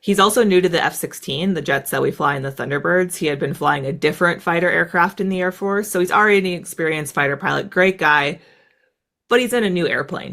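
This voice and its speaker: A woman's voice: sits low, creaky. Chatty woman telling a flying story. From United States. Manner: fast, animated, lots of "like" fillers. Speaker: guest, former fighter pilot. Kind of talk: casual storytelling interview.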